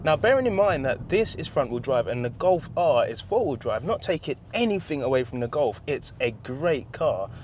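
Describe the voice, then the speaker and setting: A man's voice: mid-range voice, sing-song, moderate pace, few pauses, a little mellow, dull audio. A middle-aged man reviewing a car as he drives, chatty and enthusiastic, with a joking, self-mocking manner. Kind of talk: casual driving review. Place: inside a car while driving in the wet. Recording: road and rain noise from the car.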